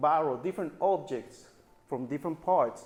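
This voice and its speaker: A man speaks in a Mexican accent with ordinary pitch variation. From Mexico, grew up near Laredo border. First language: Spanish. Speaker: visual artist, printmaker. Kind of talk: artist talk to audience. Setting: exhibition with live audience. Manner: casual, filler-heavy, addresses audience as guys.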